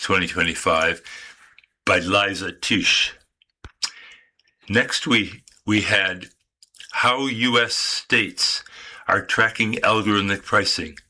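A man with a very deep voice reads source credits on the radio, taking his time over each line. The tone is bright and forward despite the low pitch, and the delivery is measured with the odd small restart. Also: rough recording. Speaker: radio station announcer. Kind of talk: reading source credits on air.

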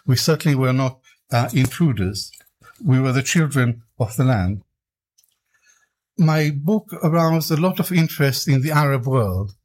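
An older man from Iraq, an author giving reflective interview answers in a measured, deliberate way and building his points into emphatic lists. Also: on the high side.

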